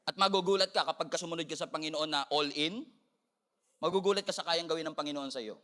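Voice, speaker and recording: A man with a Filipino accent preaching an animated sermon as pastor, mixing in English and calling for amens. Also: a little high, fast talker.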